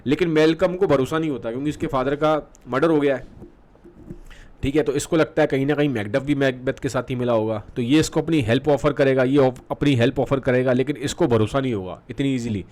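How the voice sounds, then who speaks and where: A man's voice: medium pitch, a little mellow. Man teaching a play, mixing Hindi and English. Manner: reads quoted lines slowly with fillers, frequent "theek hai". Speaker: literature teacher.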